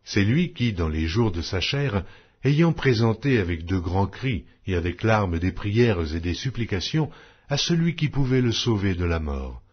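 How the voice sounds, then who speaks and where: A man reads scripture in a solemn, declamatory audiobook style. His voice is somewhat low and husky, rising and falling with lively intonation. The delivery is measured and formal. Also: muffled recording. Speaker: Bible narrator.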